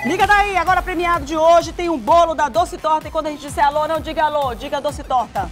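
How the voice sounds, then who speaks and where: High-voiced chatty woman host. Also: quick pace, over music. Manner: playful, chatty, teasing. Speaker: TV show co-host. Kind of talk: lively live TV banter.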